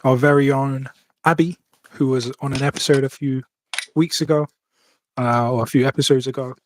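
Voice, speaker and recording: A man's voice: mid-range voice, fairly even intonation, moderate pace, slight background noise. A man hosting a casual podcast in an upbeat, easygoing way. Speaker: podcast host. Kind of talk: casual chat.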